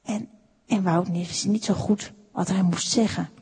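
A woman reading a children's story aloud, expressive and unhurried. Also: medium pitch, breathy edge. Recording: echoey room with long reverb.

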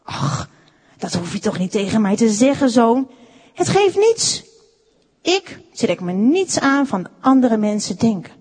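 A woman voicing a kind, fatherly old woodcarver with a deep, strong voice, talking calmly and gently. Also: a little slow, husky, full character voice. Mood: gentle, loving. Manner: calm, gentle, reassuring. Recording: echoey room with long reverb.

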